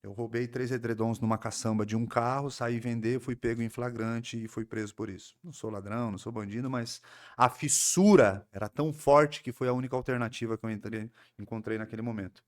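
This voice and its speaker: Um homem, convidado de um podcast, conta com seriedade e reflexão sua história de recuperação, com sotaque do interior paulista e muitas pausas e recomeços. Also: male voice, mid-range voice, steady tone. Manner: earnest, reflective storytelling with frequent restarts. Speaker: psychoanalyst guest. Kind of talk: personal recovery story in a podcast interview.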